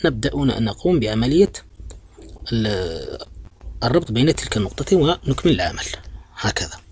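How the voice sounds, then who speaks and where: A man's voice: mid-range voice, big pitch swings, brisk, a little mellow, a little hiss or hum. A man teaching a math lesson, walking students through a graph step by step. He is patient and repetitive, often calls them "my children", and corrects himself with many fillers. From Algeria. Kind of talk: blackboard-style math lesson.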